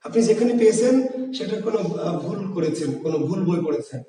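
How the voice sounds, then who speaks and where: High-voiced man teaching in an echoey room. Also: animated, quick pace, dark tone, recorded from a distance. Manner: explains patiently, asks and answers his own questions. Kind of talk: online exam-prep grammar lecture.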